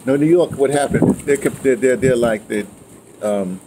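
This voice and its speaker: A man's voice: mid-range voice, measured pace. An older American man telling stories casually in conversation, emphatic and digressive, often repeating his words. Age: older, 60s or 70s. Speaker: interviewer and former radio dramatist telling his own history. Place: outdoor patio at a table. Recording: noisy outdoor restaurant ambience.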